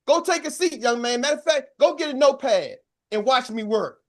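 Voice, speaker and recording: A man voicing a brisk, confident older woman sales agent, bossy and dismissive. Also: very high-pitched, expressive.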